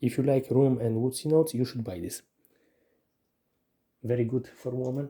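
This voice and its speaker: At a moderate pace, a man with a medium-pitched voice and a dark, mellow tone speaks with long, frequent pauses. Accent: Polish. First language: Polish. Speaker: fragrance reviewer. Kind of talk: product review. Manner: unscripted, halting.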